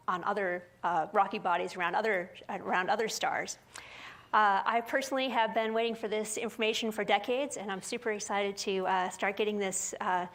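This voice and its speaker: A woman's voice: medium pitch, a bit bright. Female scientist presenter, hesitant explanatory briefing, frequent fillers.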